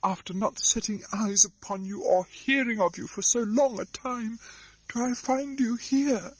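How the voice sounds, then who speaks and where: A man's voice: very high-pitched, fairly even intonation, measured pace, slightly rough, dry recording, voice pushed up, exaggerated voice, rough recording. A man reading aloud, voicing a tearful, fussy middle-aged Englishwoman who cries out pleadingly in a raised voice.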